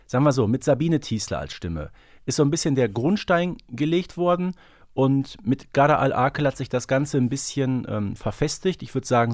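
A man's voice: medium pitch, dry recording, studio quality. A man co-hosting a podcast in casual discussion, thinking aloud in a reflective, hesitant way. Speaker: podcast co-host. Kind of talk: casual discussion of an audio drama series.

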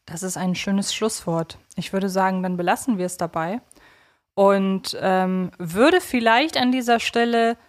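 A woman's voice: medium pitch, measured pace. Reflective woman chatting on a podcast. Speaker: podcast co-host. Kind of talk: casual conversational podcast discussion.

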